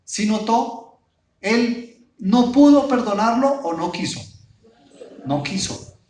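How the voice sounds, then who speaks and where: A man's voice: very high voice, expressive, slow pace, darkish tone, distant mic. A pastor preaching a sermon, putting rhetorical questions to his congregation. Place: church hall. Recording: echoey church hall, voice off-mic.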